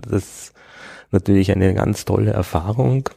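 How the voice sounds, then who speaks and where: Man, low gravelly voice, dark and husky, measured interviewee pace with fillers. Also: dry recording, clean studio sound. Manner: thoughtful, hesitant with frequent fillers. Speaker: interviewee, Arabic scholar. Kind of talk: conversational interview.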